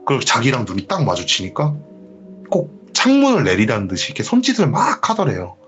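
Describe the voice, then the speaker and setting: A man hosting a horror story show, retelling a viewer's ghost story in a lively way and acting out the quoted lines. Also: mid-range voice, a little fast, highs cut off, faint music behind. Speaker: horror story radio host.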